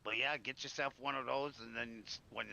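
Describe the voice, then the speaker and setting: Gravelly, bright-voiced man chatting folksily. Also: mid-range voice, fairly even intonation, fairly quick, muffled recording. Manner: folksy, rambling. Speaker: player in a zombie survival roleplay stream. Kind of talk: casual in-character roleplay chat. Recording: faint background noise.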